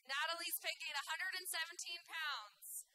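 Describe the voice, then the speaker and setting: Very high, piercing woman announcer. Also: moderate pace, bright, forceful tone. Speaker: event announcer. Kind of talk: award announcements to an audience. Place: indoor livestock show arena. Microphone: event microphone.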